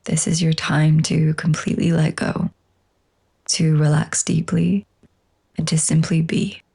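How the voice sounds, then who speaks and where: Her voice low and her tone level, a woman guides a slow yoga nidra relaxation. She speaks softly and huskily with a breathy, hushed, gentle and soothing touch.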